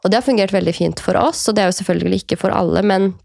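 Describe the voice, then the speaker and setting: A woman's voice: mid-range voice, creaky, a little mellow, dry recording, studio quality. A woman in her thirties chatting as a guest, talking in a reflective way with many fillers and quoted thoughts. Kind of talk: casual conversation.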